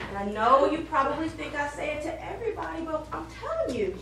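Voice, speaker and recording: A woman's voice: high-pitched, quick pace, heavy background noise. A woman playing a blunt, matter-of-fact stage manager in a live stage play. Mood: blunt, reassuring. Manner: animated, bluntly reassuring, hesitant ums. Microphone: far camera. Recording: very echoey distant stage camera recording.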